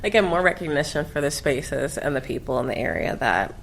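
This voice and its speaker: A woman with a deep, gravelly voice hosts a relaxed podcast chat. She is talkative and laughs easily, acting out her own thoughts. A faint noise sits under the recording. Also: fairly quick. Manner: chatty, laughs often, acts out quoted thoughts. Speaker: podcast host. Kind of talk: casual chat.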